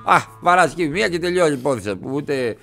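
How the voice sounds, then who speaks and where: A man playing a crude, rambling 47-year-old ex-truck driver in a comic interview, repeating himself and getting excitable. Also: on the high side, gravelly, soft background music. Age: 40s.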